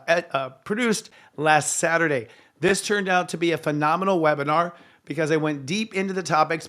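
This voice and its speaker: A man with a hoarse, slightly high voice and a fairly bright tone hosts a live astrology show. He's chatty, with frequent fillers and self-corrections.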